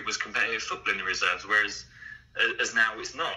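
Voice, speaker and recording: A man with an English accent talks at a very fast pace. Noticeable background noise sits behind him. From England, Essex. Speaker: former professional footballer. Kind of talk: interview. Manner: halting, repeats words.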